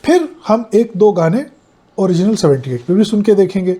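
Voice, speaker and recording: High-pitched husky Indian man. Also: sing-song, normal speed, warm tone. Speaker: host of an analogue audio channel. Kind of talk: explanatory vlog talk, switching between Hindi and English.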